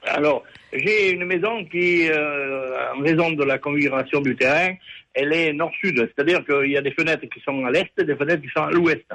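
A man's voice: a little high, moderate pace, sharp tone, rough recording. A man from the Ardèche with a southern French accent, an older caller telling a rambling, hesitant story on a radio phone-in. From Ardèche, southern France. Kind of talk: phone-in chat.

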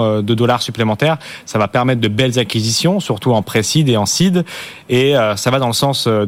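A man, a guest on a studio talk show, explaining things with frequent hesitations and restarts. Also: medium pitch. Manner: fast, with many fillers and restarts. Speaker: guest, content director of a crypto media outlet. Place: broadcast studio.

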